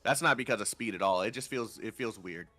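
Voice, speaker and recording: A man hosting a casual gaming livestream, animated and swearing casually, just woken up. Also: fairly low pitch, brisk, soft background music. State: just woke up. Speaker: livestream host.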